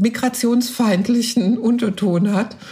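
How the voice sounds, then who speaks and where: This is a woman's voice, somewhat breathy. Its tone is dark and mellow. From Swabia, southwest Germany. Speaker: journalist, political correspondent. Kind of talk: interview.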